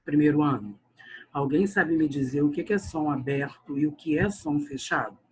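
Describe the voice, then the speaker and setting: Husky-voiced man teaching a class. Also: a little high, moderate pace, a little mellow, low-quality recording. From Brazil. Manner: keeps calling out to the class, stretches words to stress them. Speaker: grammar teacher. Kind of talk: online class lecture.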